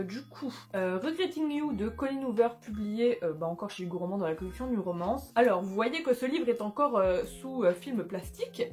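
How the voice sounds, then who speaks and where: A young woman with a French accent, chatting casually about her new books with many fillers and bits of slang. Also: medium pitch. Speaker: book vlogger. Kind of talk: casual book haul chat.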